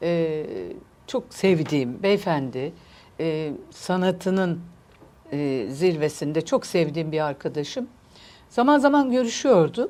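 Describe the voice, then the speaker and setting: At a very slow pace with long, frequent pauses, a dark, mellow voice moves through very wide pitch swings on a very clean recording with a silent background. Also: woman, fairly low pitch for a woman. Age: 70s. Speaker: Turkish music singer and stage actress. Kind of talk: interview answer.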